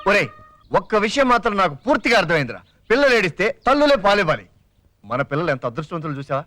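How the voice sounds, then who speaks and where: A man's voice: high voice, very animated, fairly bright tone, a little hiss or hum. An actor playing a young father who pleads and jokes as he talks his friend into a scheme, in a comic film. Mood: fast pleading. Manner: fast, pleading and joking.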